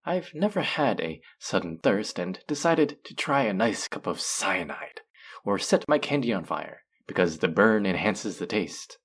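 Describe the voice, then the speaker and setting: Deep gravelly teasing faerie man, voiced by an actor. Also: very animated, a little slow, heavily acted. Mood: exasperated, sardonic. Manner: sardonic, teasing, drawling with sighs. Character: teasing, bratty, flirtatious male faerie lover. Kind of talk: scripted audio roleplay.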